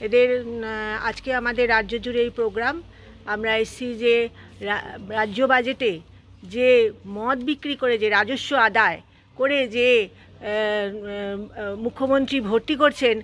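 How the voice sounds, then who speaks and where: A protester answering a reporter on the spot, hesitant, with many pauses and fillers. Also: mid-range voice, steady tone, a bit bright. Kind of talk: on-the-spot interview.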